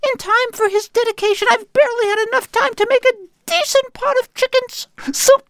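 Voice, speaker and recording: Guy doing a squeaky falsetto jewish mom, brooklyn yiddish accent, always kvetching, comic radio skit. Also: fairly quick, gravelly, fairly bright tone, dry recording, full character voice. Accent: old-fashioned Brooklyn Yiddish. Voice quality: high falsetto voice. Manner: complaining, exasperated sighs. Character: fussy kvetching Jewish mother Mary, young.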